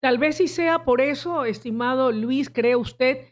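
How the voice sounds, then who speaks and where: A woman's voice: high-pitched, measured pace. A woman hosting a radio interview, asking formal, courteous questions with small hesitations.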